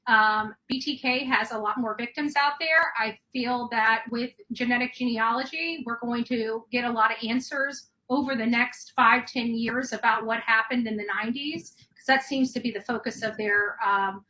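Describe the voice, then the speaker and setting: Bright, high-voiced woman hosting a call-in. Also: poor audio. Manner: rambling, with many restarts. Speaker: true crime show host. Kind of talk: live call-in chat.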